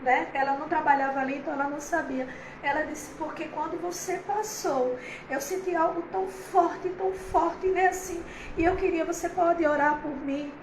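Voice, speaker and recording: A woman's voice: high voice, steady tone, moderate pace, reverberant, background noise. A woman pastor, preaching a heartfelt, conversational sermon on a livestream, with many fillers.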